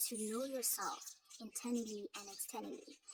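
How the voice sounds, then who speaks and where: Noticeable background noise runs under the recording. A woman speaks at a moderate pace in a fairly high pitch. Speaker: vlogger. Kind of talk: unscripted motivational monologue. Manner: stuttering in this recording; animated.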